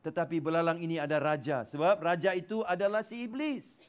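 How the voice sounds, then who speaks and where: A man with a Malaysian accent preaching a sermon in church, mixing in English words and swinging between loud bursts and soft asides. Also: on the high side, a little fast, clear, resonant tone. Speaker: pastor. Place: church hall.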